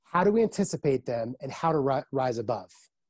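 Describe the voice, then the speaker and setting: A man speaks with a dark, mellow tone and a somewhat breathy quality. The background is quiet. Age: 40s. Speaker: coach. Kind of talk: interview.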